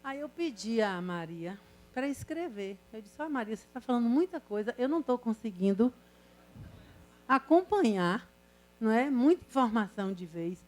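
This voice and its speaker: An older woman university professor lectures to her class, slipping from advice into personal stories. Her voice sits a little high, and she keeps checking in with the students through rhetorical questions. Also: lively intonation, moderate pace, a little mellow, soft background music.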